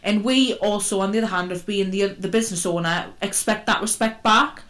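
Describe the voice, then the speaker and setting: A woman's voice: medium pitch, a little fast, fairly bright tone. A woman co-hosting a podcast in casual, jokey banter, talking with braces on. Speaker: podcast co-host.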